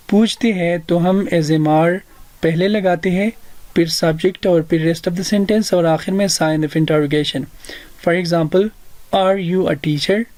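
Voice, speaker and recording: A man with a South Asian accent giving a language lesson as a teacher, deliberately explaining and repeating phrases for learners. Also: fairly high pitch, darkish tone, dry recording. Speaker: English teacher.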